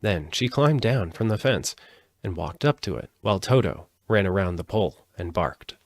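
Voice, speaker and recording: A man's voice: low-pitched, expressive, normal speed, no room sound, clean studio sound. A man narrating a storybook aloud as a live audiobook reader.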